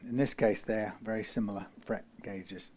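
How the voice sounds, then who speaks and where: Man from the UK, low voice, rambling workshop tutor with dry humour, faint background ambience. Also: fairly even intonation, moderate pace, darkish tone, a little hiss or hum. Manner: rambling, self-correcting, dry asides. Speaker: guitar repair tutor. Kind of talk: workshop how-to narration.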